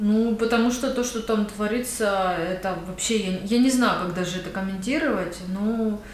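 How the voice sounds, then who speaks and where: A woman's fairly high voice at a moderate pace, with fairly even intonation, light background noise and audible room echo. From Ukraine. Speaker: video blogger. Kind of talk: casual chat. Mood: bitter, exasperated. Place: home room. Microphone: camera far.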